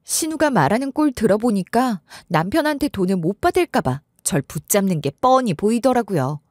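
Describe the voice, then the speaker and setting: A woman narrating a true-life story in the first person, in a conversational, expressive way. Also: medium pitch, fairly quick, no echo, studio quality.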